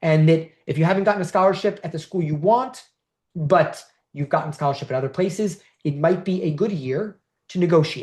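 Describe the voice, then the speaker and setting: Speaking at a fairly quick pace, a man uses a high pitch. His pitch varies in an ordinary way. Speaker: college admissions consultant. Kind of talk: lecture. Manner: fast.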